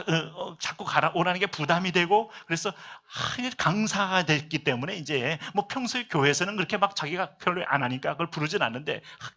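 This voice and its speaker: Bright-voiced Korean pastor preaching emphatically. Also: male voice, high voice. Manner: emphatic preaching with rhetorical questions and swings between loud and soft. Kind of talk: sermon. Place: church service.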